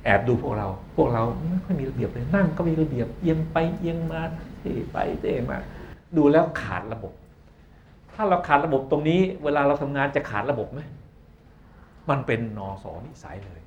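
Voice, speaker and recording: A man's voice: medium pitch, expressive, normal speed, vocal fry, dull audio, a little hiss or hum. A middle-aged man lecturing students in a classroom, coaxing and scolding them with rhetorical questions.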